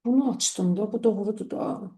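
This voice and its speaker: A woman's voice: mid-range voice, normal speed, warm tone. A woman English teacher, explaining listening-test strategies to students in a repetitive, emphatic way. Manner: repetitive, emphatic, often saying "bax". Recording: echoey room.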